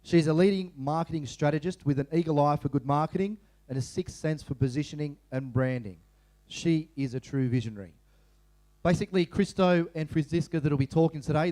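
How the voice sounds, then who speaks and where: A man's voice: a little high, a little fast, warm tone. Upbeat man introducing a speaker. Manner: upbeat, hype-building. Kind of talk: event introduction. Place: conference hall.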